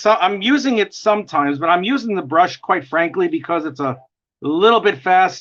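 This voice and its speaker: A man with a strong New York accent talks at a moderate pace in an animated tone with lively intonation. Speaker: artist livestreaming drawing. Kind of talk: casual livestream chat. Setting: livestream.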